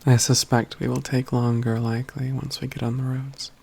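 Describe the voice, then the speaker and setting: A man playing a wry, self-assured, caring mage companion in a soft, breathy, near-whispered ASMR fantasy roleplay, with measured, formal phrasing. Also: mid-range voice, flat delivery, slight background noise, natural voice. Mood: warm, wry.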